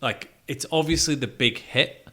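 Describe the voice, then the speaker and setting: A man's voice: mid-range voice, unhurried, pushed and bright. A man co-hosting a music podcast in casual chat, often prompting with questions and short agreements. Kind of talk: casual album review chat.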